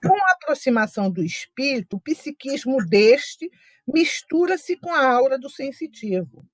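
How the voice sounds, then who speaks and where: A woman's voice: high voice, very animated, moderate pace, dry recording. A woman leading a study group, teaching in a chatty, story-filled way with asides and quoted remarks. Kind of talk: casual teaching talk.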